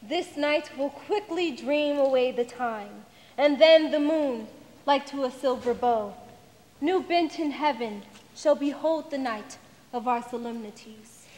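Seeking woman as earnest Shakespearean female role: high voice, theatre reverb. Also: measured pace, a little mellow. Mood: calm, stately. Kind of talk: staged Shakespeare reading. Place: stage in large auditorium. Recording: hall reverb, faint noise.

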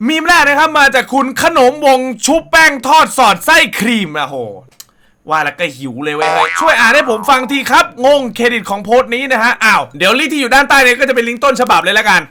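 A young man hosting a casual comedy reaction show, loud and crude, with frequent exclamations. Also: extremely high pitch, big pitch swings, fast, noisy background. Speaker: reaction video host.

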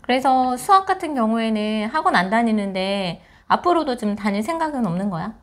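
A woman in her forties leads a casual, conversational interview. Her voice sits a little on the high side and her intonation is very lively. She is miked on a lapel in a small indoor space. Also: fairly quick. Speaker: interviewer, mother.

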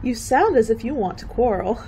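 Woman acting a breezy college girl, lively intonation. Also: fairly high pitch, normal speed, slight background noise. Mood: unbothered. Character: Alice, good-natured, breezy young female college student. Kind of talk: old-time radio drama acting.

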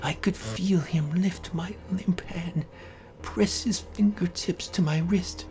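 Slow, anguished horror narrator, a woman. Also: lowish voice. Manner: theatrical, anguished, deliberate. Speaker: amateur story narrator. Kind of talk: dramatic first-person horror narration. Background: music.

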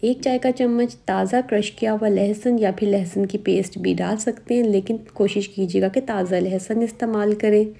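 A woman, calmly guiding viewers step by step through a recipe as a cooking host in voice-over. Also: mid-range voice, moderate pace, creaky, hardly any pauses. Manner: calm step-by-step instructions.

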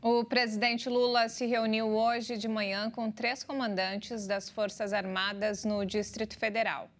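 A woman news anchor reading scripted headlines in a steady, measured way from a TV studio. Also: on the high side.

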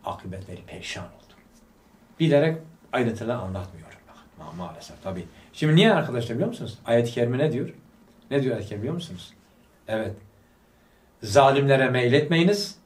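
A man's voice: medium pitch, sing-song, fast talker, a little mellow, distant mic. A man giving a religious study talk to a gathering. He speaks fervently, fires rhetorical questions and prompts his listeners to answer aloud. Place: study hall of a religious school. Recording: echoey room, voice picked up from afar.

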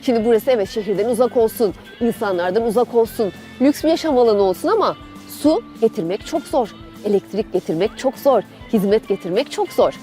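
A woman's voice: on the high side, expressive, fairly quick, dark tone, faint music behind. A woman hosting a travel show, guiding viewers through an outdoor park in an enthusiastic, chatty way. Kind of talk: travel show presenting, part narration.

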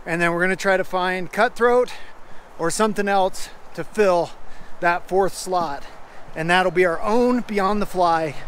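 A man in his thirties hosts an outdoor fishing vlog, excited and casual. His voice sits high and his talk is unhurried. He is recorded on a body-worn camera beside a river, with faint wind and water noise. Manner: excited, says "dude" a lot. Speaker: fly fishing show host. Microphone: body-worn action camera.

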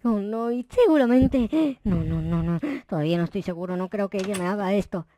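A man voicing an excitable, mischievous, foul-mouthed young Minecraft noob, exclaiming and muttering to himself as he plays. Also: high voice, brisk, noisy background, close to an everyday voice. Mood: suspicious, indignant. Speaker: gaming video host. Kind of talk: roleplay gameplay commentary.

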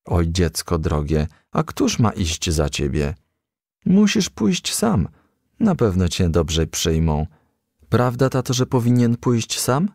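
A man voicing an ailing, tender firefly mother who gently insists, in a storybook. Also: low-pitched, big pitch swings, takes it slowly, no echo, studio quality, full character voice. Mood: tender, insistent.

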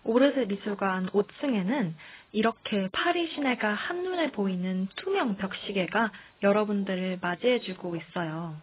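A woman's voice: medium pitch, expressive, normal speed, hardly any pauses, slightly rough, highs cut off. A young woman narrating a walking tour, speaking cheerfully and directly to her viewers. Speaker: tour guide. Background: music.

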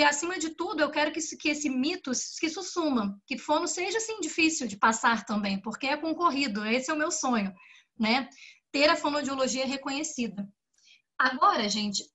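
A woman speech therapist with a Brazilian Portuguese accent gives a lively, chatty lecture and often asks rhetorical questions. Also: high-pitched. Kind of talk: symposium lecture.

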